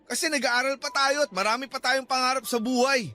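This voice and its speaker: A man's voice: very high voice, fairly even intonation, brisk, bright, forceful tone. A young man acting an irritable, defensive student boyfriend in a radio drama, exasperated, insistent and pleading.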